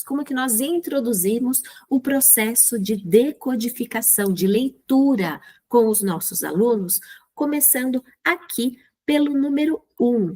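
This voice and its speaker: A woman's voice: fairly high pitch, darkish tone. A woman with a Brazilian Portuguese accent giving a recorded training lesson over slides, didactic and asking her listeners questions. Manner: didactic, asks the audience questions, frequent "né". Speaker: teacher trainer.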